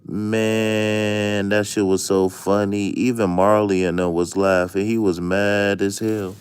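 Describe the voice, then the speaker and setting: A man's voice: lowish voice, flat delivery, slow pace, clear, resonant tone, no room sound. A man streaming a casual chat as a tarot reader, telling stories with jokes and plenty of profane slang. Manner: joking, storytelling, profane slang.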